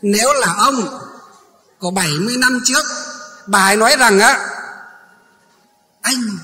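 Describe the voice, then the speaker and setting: A male Buddhist monk gives a sermon at a measured pace in a high, bright voice. He asks his listeners questions and then answers them himself, while a long reverb carries his voice through a large hall.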